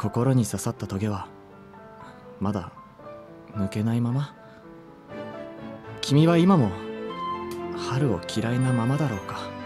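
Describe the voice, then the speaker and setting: A man's lively intonation at a fairly slow pace, with long, frequent pauses and clear music in the background. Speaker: voice actor. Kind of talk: bedtime short story reading. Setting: studio. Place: studio.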